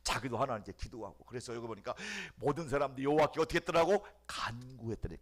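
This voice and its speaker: A middle-aged male pastor preaching a sermon, swinging from loud cries to hushed whispers and repeating phrases for emphasis. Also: medium pitch, fast talker.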